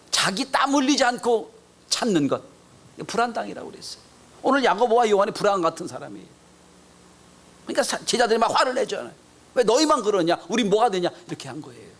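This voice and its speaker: A male pastor preaching a Sunday sermon in a church, acting out quoted voices and dropping to soft whispers for emphasis. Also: sits high. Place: church sanctuary.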